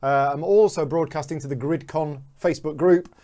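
A man in his thirties hosts a live-streamed interview from a home studio. His voice is mellow and warm, sitting a touch high, and he talks in a chatty, joking way with plenty of fillers. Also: fairly even intonation, normal speed. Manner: chatty, jokey, frequent "uh" fillers. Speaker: host.

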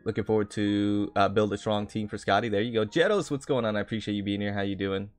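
A man's voice: on the low side, fast. A man live streaming in a casual, chatty way, greeting viewers and often repeating his phrases. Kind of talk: casual gaming livestream chat, greeting viewers. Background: background music.

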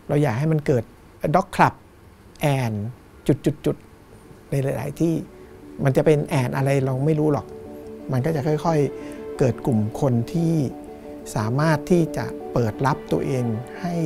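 A middle-aged Thai man, a cinema owner, talking thoughtfully in an interview, unhurried and pausing to find his words. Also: fairly high pitch, gravelly, mellow. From Thailand. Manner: thoughtful, unhurried, with fillers and restarts. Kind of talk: reflective interview talk. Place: small cinema in front of a screen, indoors.

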